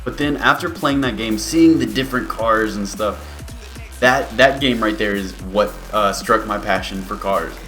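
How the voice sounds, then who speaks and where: A man of about twenty, a YouTuber answering viewer questions in a relaxed, rambling way with many fillers. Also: lowish voice, moderate pace, soft background music. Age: 20s. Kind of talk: casual Q&A vlog.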